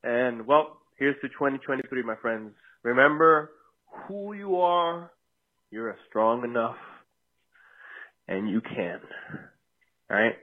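Man, voicemail message, phone-line sound, unhurried, casual greeting. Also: medium pitch, expressive. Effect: voicemail played over the phone. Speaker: caller.

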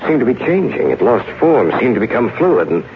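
A man's voice: medium pitch, sing-song, fairly quick, close to an everyday voice. Uneasy man in old radio drama, acted. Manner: earnest, anxious, dramatic. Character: uneasy, cautious man confronting strange invaders. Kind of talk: 1950s radio drama acting. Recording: muffled old radio recording, some noise.

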